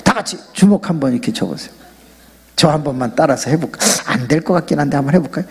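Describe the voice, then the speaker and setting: A male pastor with a very husky, breathy voice preaches a playful revival sermon in a big church sanctuary. His delivery swings widely in pitch, and he keeps getting the congregation to shout prayers. The long reverb of the hall trails after every phrase. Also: quick pace. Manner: jokey, animated, leads the crowd in loud shouted prayer.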